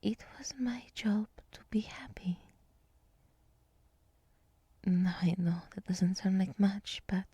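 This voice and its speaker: A woman voicing a gentle, soothing deer woman who guides meditation in a whispered ASMR roleplay, speaking softly and reassuringly close to the microphone. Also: mid-range voice, dry recording. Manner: slow, soft, breathy, reassuring. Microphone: close microphone, dry.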